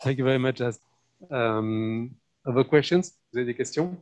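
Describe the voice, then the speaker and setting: A man with a French accent moderating and relaying questions, haltingly repeating words as he searches for phrasing. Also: medium pitch, a little mellow. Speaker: moderator and interpreter. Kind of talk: relaying questions and explaining informally. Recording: dull, lo-fi audio.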